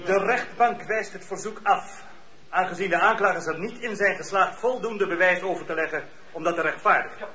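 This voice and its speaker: High-voiced, formal presiding judge. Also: male voice, pushed and bright. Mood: firm. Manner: formal, measured, official. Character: firm, impartial male presiding judge. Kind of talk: Dutch radio play acting. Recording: roomy, dull radio play recording.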